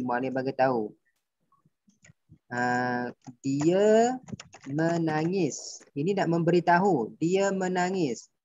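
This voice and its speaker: A man's voice: fairly high pitch, darkish tone, dry recording. Patient Malaysian male teacher, dull recording. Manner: patient, repetitive explaining, quizzing pupils. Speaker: primary school teacher. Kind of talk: online grammar lesson.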